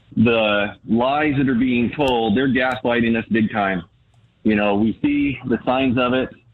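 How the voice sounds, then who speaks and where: A plain, everyday voice from a man at a medium pitch, fairly slow and fairly even in intonation, with very even loudness. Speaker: caller. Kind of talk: phone call to radio show. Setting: phone call.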